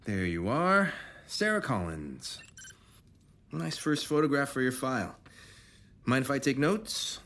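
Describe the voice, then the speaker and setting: A man's voice: medium pitch, big pitch swings, unhurried, long pauses, fairly bright tone. A man playing an affable but needling government interviewer in an audio drama, chatty and patronizing. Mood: officious friendliness.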